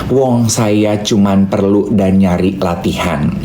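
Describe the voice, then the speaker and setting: Very slow speech over noticeable background noise. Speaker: radio host and MC. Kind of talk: casual morning radio chat. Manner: casual, code-switching with English.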